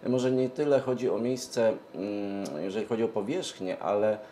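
A middle-aged man answers interview questions hesitantly, pausing often mid-sentence. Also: on the low side, dark tone, slight background noise. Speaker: event organizer, interview guest. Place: TV studio, seated at a glass desk. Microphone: lapel mic.

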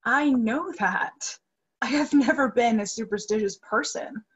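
Actress as earnest, grieving young woman, high and husky. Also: measured pace, lo-fi sound. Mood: fervent. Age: young adult. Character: earnest, grieving young soprano, devoted to her dead father. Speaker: actress in a virtual staged reading. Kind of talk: dramatic stage play reading. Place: indoor room, video call. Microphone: video call microphone.

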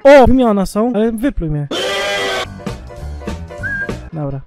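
A high-voiced man streams his games and reacts to everything with cursing, bursts of laughter and sudden shrieks. His pitch leaps wildly and he speaks at an unhurried pace. Loud game music plays behind him. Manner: swears constantly, laughs and shrieks in excitement. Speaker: gaming streamer. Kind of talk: reactive gameplay commentary.

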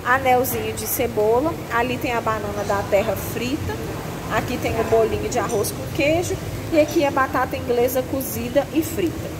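A woman's voice: fairly high pitch, normal speed, background noise. A Brazilian woman hosting a cooking channel, walking along a restaurant buffet and explaining the dishes in a chatty, instructive way, recorded on a handheld phone. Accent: Brazilian Portuguese. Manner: chatty and instructive, checking in with viewers. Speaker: restaurant owner's family and cooking channel host. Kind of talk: walkthrough vlog of a buffet. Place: indoor self-service restaurant buffet. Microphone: handheld phone while walking. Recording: restaurant ambience behind the voice.

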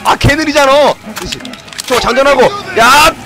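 A man streaming a video game live, commenting in an excitable, jokey way, often yelling and swearing. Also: high-pitched, a little fast, very noisy.

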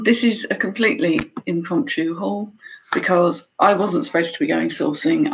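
A woman's voice: on the low side, creaky, muffled recording, slight background noise. A woman chatting casually on a live stream from home, a little out of breath and greeting viewers by name. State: slightly out of breath. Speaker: reseller vlogger. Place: home room by a window.

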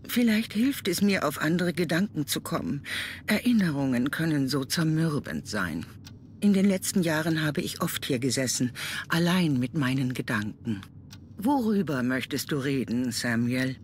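A woman's voice: deep voice, animated, moderate pace, a little mellow, slight background noise. A grieving old noblewoman. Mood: wistful. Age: older. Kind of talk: game dub.

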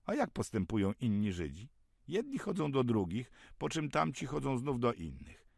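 A man's voice: mid-range voice, wildly swooping pitch, normal speed, creaky, slightly rough, no echo, clean studio sound, heavily acted. A man doing a good-natured henpecked villager. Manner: easygoing, shrugging, folksy.

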